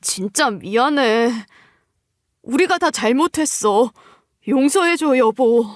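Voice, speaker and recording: A woman's voice: high voice, expressive, slow, dry recording, studio quality. A woman voicing a guilty, weak husband in a story, pleading and whiny. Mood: begging. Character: guilty husband, weak, begging his wife.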